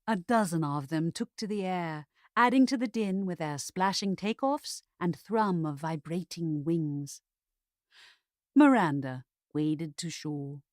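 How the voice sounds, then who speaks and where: A woman reading a comic Regency romance as an expressive audiobook narrator. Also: lowish voice, dry recording, studio quality.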